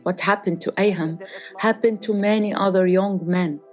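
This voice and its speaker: A woman reading a mother's testimony as a voice-over in a steady, solemn way. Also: medium pitch, normal speed, soft background music.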